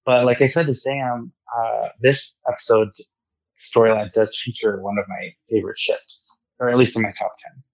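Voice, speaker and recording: A man co-hosting by phone, his voice dull and lo-fi, as if he were speaking from inside a wind tunnel. The sound is dry, with no room around it, and he talks at a middling pitch in an eager, rambling way. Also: steady tone, moderate pace, vocal fry, no room sound. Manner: eager, rambling fan talk. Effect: muffled phone line that sounds like a wind tunnel. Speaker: podcast co-host. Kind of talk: casual chat. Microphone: phone call.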